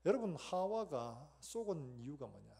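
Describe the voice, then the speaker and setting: A male pastor delivers a sermon with a Gyeongsang accent, often turning questions back on his congregation. His voice is husky and sits fairly high for a man. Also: a little slow. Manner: animated, acts out scenes, asks the congregation questions.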